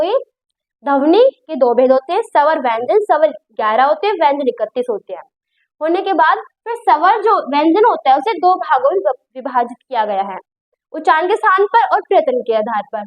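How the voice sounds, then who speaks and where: Woman, young adult, high voice, grammar teacher, explanatory, asks and answers questions, self-correcting. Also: lo-fi sound. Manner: explanatory, repeats and checks understanding, corrects herself. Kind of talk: spoken Hindi grammar lesson.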